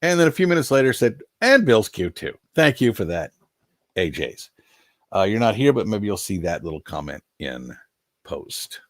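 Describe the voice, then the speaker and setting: A man's voice: lowish voice, sing-song, normal speed, dry recording, clean studio sound. An older man hosting a casual live stream, rambling in a folksy way and reading out viewer names, a little nasal from allergies. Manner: rambling, folksy, chuckling asides.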